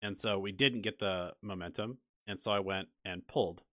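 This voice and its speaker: Bright-voiced man telling a story. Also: low-pitched, moderate pace, dry recording, studio quality. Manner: animated storytelling, acts out quotes. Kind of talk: casual chat.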